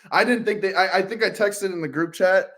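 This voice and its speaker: A high-pitched man co-hosts a casual sports podcast. He talks fast and rambles, and his voice climbs sharply when he relives exciting plays. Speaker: podcast co-host.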